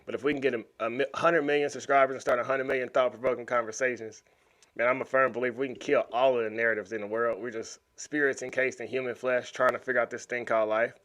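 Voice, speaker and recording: A man's voice: medium pitch, level tone, quick pace, fairly bright tone. A man hosting a reaction video, talking casually and animatedly, often repeating and restarting words. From United States. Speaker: YouTube reaction host. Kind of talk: casual commentary over a video.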